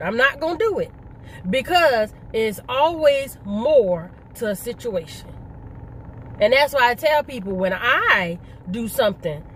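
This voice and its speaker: A woman's voice: high-pitched, a bit bright, slight background noise, rough recording. A middle-aged woman chatting casually in a vlog, emphatic and fond of rhetorical questions and repetition. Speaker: vlogger. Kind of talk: casual mukbang conversation, storytelling.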